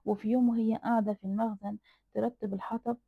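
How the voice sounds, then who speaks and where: A woman's voice: a little high, little pitch movement, quick pace, creaky, slightly rough, no echo. A woman with an Egyptian accent narrating a horror folk tale dramatically, repeating phrases for emphasis. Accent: Egyptian Arabic. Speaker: storyteller. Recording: dry tinny phone-like sound.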